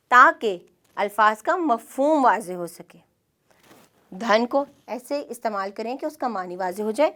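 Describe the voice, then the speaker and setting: A woman with a Pakistani Urdu accent, teaching a scripted classroom lesson in a clear, measured way. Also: a little high, a bit bright. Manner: clear, measured instructional delivery.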